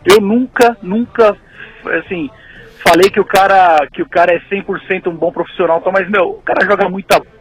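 Fast-talking São fan in his thirties. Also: high-pitched, fairly even intonation, soft background music, poor audio. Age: 30s. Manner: earnest, rambling with restarts. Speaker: caller, football fan. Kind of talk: casual phone-in chat.

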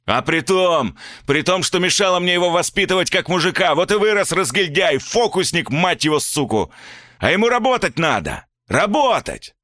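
A man playing a furious shouting father. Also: big pitch swings, moderate pace, no echo, clean studio sound, exaggerated voice. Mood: enraged. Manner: shouting, scolding, high and strained. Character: furious middle-aged father, loud and coarse.

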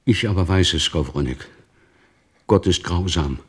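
An actor in a radio play voicing an old Jewish teacher, despairing, bitter and defiant toward God, with a gravelly, husky voice. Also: male voice, low-pitched, lively intonation, unhurried, exaggerated voice. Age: 60s or older.

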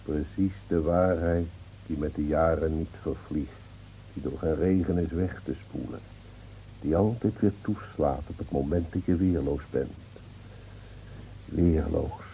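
An actor playing a brooding village man in a radio play, measured and ruminative in his delivery. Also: very deep voice, gravelly, mellow, a little hiss or hum, heavily acted. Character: brooding village man, neighbourly wine-sipping visitor. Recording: tinny, phone-like old radio play recording.

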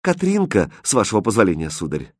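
Male reader as a shy orphan girl from a storybook, husky, lively. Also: on the low side, a little fast, dry recording, studio quality, heavily acted. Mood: pleading. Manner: timid, pleading. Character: poor orphan girl posing as a doll.

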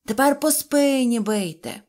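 A woman voicing a cheerful, boastful little fairy-tale man who speaks loudly and excitedly, forever apologising for his words. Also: high-pitched, moderate pace, natural voice. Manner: loud, excited, ever-apologetic phrasing.

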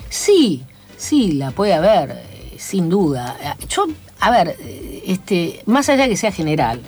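A woman from Chile with a Chilean Spanish accent, a guest in a radio studio interview, talking in a measured, lecturing way full of fillers. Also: lowish voice, sing-song, darkish tone, faint music behind. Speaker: guest, academic commentator. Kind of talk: radio interview, analytical talk.

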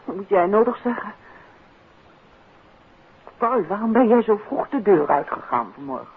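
An actress playing a detective's curious, teasing wife in a 1950s radio play, bantering and playfully nagging. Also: female voice, mid-range voice, lively intonation, normal speed, slightly rough. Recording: muffled, hissy 1950s radio recording.

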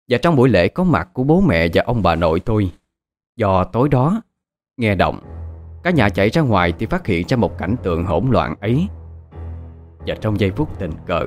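A man's voice: lowish voice, a little mellow. A man narrating a horror story in a dramatic, scripted way.

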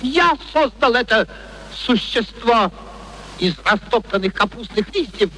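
An actor playing a brash, petulant, bullying professor in a theatrical radio play, impatient and exclaiming. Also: male voice, very high voice, lively intonation, measured pace, bright, forceful tone, heavily acted, low-quality recording. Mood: exasperated, furious. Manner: blustering, impatient, exclaiming and cursing. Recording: faint background noise, archive radio recording.

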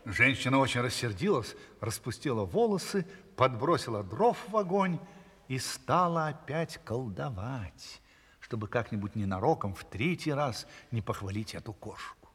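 A male storyteller tells a fairy tale with a lively, rising and falling voice and a slight husk. He speaks to the listeners as friends and sinks to a hush at tense moments. The vintage studio recording carries a long reverb. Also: mid-range voice, moderate pace, breathy edge. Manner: intimate, expressive storyteller, dropping to a hush. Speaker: narrator. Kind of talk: storytelling narration in an audio play.

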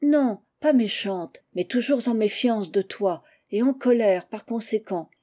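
A woman playing a gentle patient cousin. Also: on the high side, lively intonation, unhurried.

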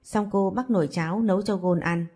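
A woman narrating a scripted story in an even, steady reading voice. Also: mid-range voice, fairly quick.

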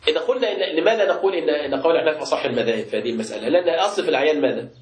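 شيخ سريع الكلام بلهجة مصرية في قاعة درس. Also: male voice, a little high, lively intonation, very fast, roomy sound. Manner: explains by asking the class and answering himself. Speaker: sheikh teaching a book class. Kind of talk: classroom lecture with questions.

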